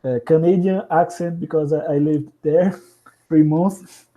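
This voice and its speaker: Male podcast guest, Brazilian accent, Portuguese native, unhurried and searching for words, tinny call audio. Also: on the high side, fairly even intonation, warm tone. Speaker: podcast guest, house builder. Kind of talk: casual interview conversation. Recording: thin phone-like call audio.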